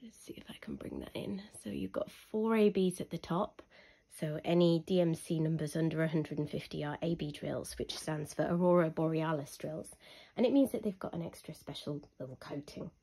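A young woman with a husky voice from illness, giving a chatty, unhurried review with frequent ums. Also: low-pitched, dark tone. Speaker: hobby reviewer. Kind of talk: casual product review voice-over.

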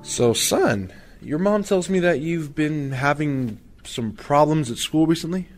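A man's voice: fairly high pitch, lively intonation, a little slow, soft background music. An actor playing a patient, earnest Christian father counseling his son in an audio drama. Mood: gentle, earnest.

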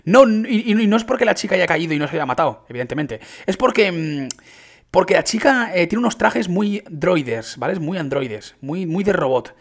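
Young guy yelling over his battle royale game, kinda husky, voice jumps all over. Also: high voice, normal speed. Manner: excitable, exclaims often, addresses viewers as chicos. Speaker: gaming youtuber. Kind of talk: excited gameplay commentary.

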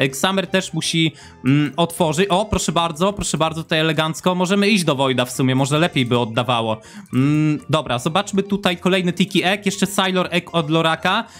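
Young male gaming YouTuber, high-pitched, chatty and excitable, faint music underneath. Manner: chatty, excitable, talks straight to viewers. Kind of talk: casual gameplay commentary.

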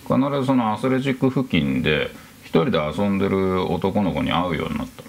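A man casually telling a personal ghost story, with relaxed chatty fillers. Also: sits low, fairly quick, vocal fry.

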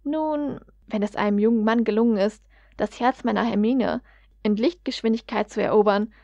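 A gently probing middle-aged mother, as a woman reader puts her on, speaks softly with a voice set a little high. The recording sounds dry and somewhat dull, as from a home storytelling upload. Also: normal speed, creaky, no room sound. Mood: concerned.

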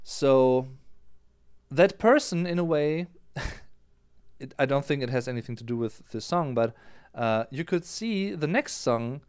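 A German man in his thirties talks through lyrics in an animated, casual way, his pitch rising and falling widely. His voice is smooth and clear. It is recorded dry and close on a headset in a small room. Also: no room sound. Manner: animated, gesturing with his hands. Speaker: music reaction streamer. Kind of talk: casual explanatory chat.

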